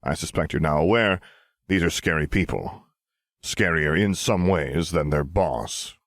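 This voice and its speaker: A male actor plays a commanding superhero in an audiobook drama. His voice is deep and calm, with a measured, persuasive delivery, captured very dry and close. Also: no room sound, heavily acted. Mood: grave, persuasive. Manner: deliberate, measured. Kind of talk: audiobook character dialogue.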